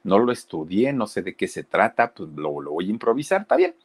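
A man voicing a proud, stubborn teenage girl who wants to sing opera, in his own low, lively storytelling voice. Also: a little fast, slightly rough, no room sound, exaggerated voice. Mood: nervous.

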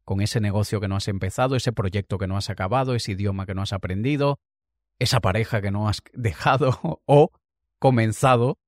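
A man's voice: fairly low pitch, fairly quick, a little mellow, no room sound, studio quality. A man giving a conversational, reflective motivational talk and drawing on personal examples. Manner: occasional light laughs. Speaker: motivational speaker. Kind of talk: motivational monologue.

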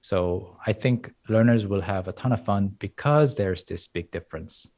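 A man's voice: lowish voice, moderate pace, darkish tone. A man whose first language is Korean, speaking English in a casual interview and explaining language ideas with examples and analogies. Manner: thoughtful, explains with examples and analogies, laughs lightly. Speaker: guest, Korean language teacher.

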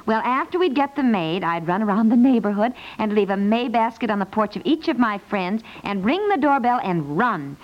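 A fairly high-voiced suburban mother, played by a woman, chatty, coaxing and fussing over her family. The delivery is natural 1950s radio comedy acting, heard on a dull, muffled vintage recording. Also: expressive, normal speed, few pauses, close to an everyday voice. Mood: coaxing, eager. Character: eager, fussy, coaxing suburban mother and wife.

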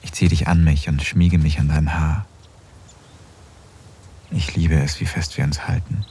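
An actor playing an affectionate married man in an intimate audio drama, speaking softly and close to a whisper. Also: a bass voice, little pitch movement, measured pace, slightly rough, exaggerated voice. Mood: tender. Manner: soft, intimate, often near a whisper. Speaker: husband in an erotic audio drama.

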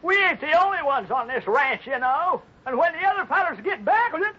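An actor playing a folksy, tall-tale-telling cowboy sidekick in a radio western, whiny and excitable. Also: male voice, extremely high pitch, a little fast, full character voice. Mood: complaining. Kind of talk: 1950s radio western comedy acting. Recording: muffled, noisy 1950s radio recording.

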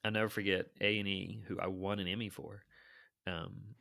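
A middle-aged man telling stories in a casual interview, animated and laughing often. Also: deep voice, normal speed, gravelly. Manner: animated, laughs often, acts out quoted voices. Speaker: TV producer and guest.

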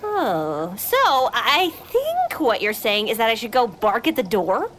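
Cartoonish pet dog: woman doing a high, bouncy, overdramatic schemer. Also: measured pace, a little hiss or hum. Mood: excited. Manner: excitable, dramatic, to-camera asides. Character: scheming, popcorn-crazed female pet dog.

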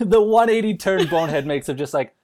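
A man's voice: high voice, expressive, fairly quick, darkish tone. A man as a podcast guest, riffing comically in a theatrical way, stammering and breaking into laughter. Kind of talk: casual chat, comic riffing.

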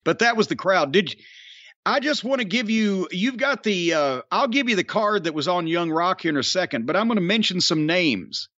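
A man's voice: sits high, expressive, normal speed, fairly bright tone, no echo, lo-fi sound. A middle-aged man, hosting a wrestling podcast, drawling and storytelling as he quizzes his co-host. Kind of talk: casual wrestling podcast chat.

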